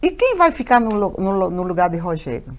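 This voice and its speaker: A woman's voice: mid-range voice, a little fast. A woman, a mayor talking animatedly as a guest in a TV studio interview, with many fillers and repeated words. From Paraíba, Brazil. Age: 50s. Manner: animated, gestures a lot, many fillers and repetitions. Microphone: lapel mic.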